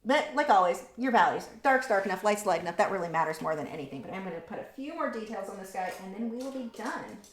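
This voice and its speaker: A woman's voice: medium pitch, very animated, fast, few pauses, echoey room, slight background noise. A woman running a live painting lesson, chatting casually and reading out viewers' comments as she works. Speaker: art instructor. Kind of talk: live painting tutorial with chat.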